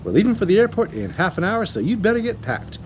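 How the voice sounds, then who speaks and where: A man voicing a gruff, impatient father who snaps at his child. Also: sits high, big pitch swings, fast, slight background noise, voice pushed up. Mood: snappish. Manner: snappish and dismissive.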